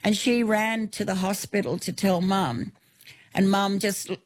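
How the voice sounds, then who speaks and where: An Australian woman in her sixties speaks as a radio guest at a middle pitch. She recalls her childhood in a storytelling way, piling up vivid lists of details and restarting now and then. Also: fairly even intonation, a little slow, a little mellow, slight background noise. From New South Wales, Australia. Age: 60s. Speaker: author and guest. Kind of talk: radio interview.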